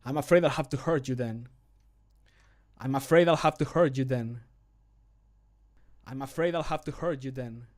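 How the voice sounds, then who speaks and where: A stern male fighter from a fantasy game, acted out by a man. He is curt and threatening. Each line comes out deliberate and commanding, at a medium pitch. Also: close to an everyday voice. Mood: grim warning. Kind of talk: video game voice line acting.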